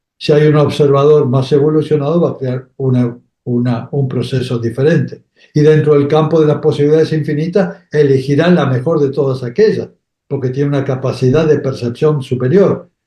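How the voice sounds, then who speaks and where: At a moderate pace, a man with a fairly high pitch talks in a dark, mellow, somewhat breathy tone with fairly even intonation. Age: 70s. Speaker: spiritual teacher. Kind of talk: interview. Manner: halting.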